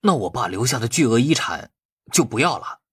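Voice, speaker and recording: A man puts on a thuggish but naive young man, a grown son in an audiobook. The voice is rough and animated, swinging widely in pitch, with blunt, wide-eyed questioning. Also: brisk, no room sound, clean studio sound, full character voice. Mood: doubtful. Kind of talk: audiobook character acting.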